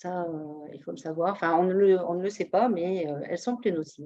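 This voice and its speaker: A woman's fairly low voice with a dark, mellow tone at a moderate pace. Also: big swings in loudness. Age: 60s. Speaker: former smoker, association volunteer. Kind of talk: testimony. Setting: webinar. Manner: hesitant, many fillers.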